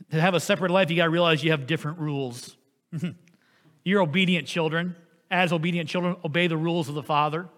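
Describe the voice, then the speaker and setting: A man preaching a sermon as pastor, telling a family story in an earnest, animated way. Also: fairly high pitch, big-room sound.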